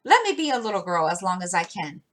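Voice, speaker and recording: A woman's voice: lowish voice, sing-song, fast talker, a bit bright. A woman reading aloud and voicing a blunt, spirited teenage girl in a storybook. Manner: blunt and fierce.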